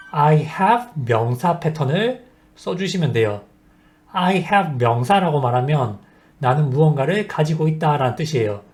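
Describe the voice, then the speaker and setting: Lively-voiced man teaching basic English. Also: on the high side, a little hiss or hum. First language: Korean. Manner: slow, deliberate explanations with modeled example sentences. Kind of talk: scripted language lesson.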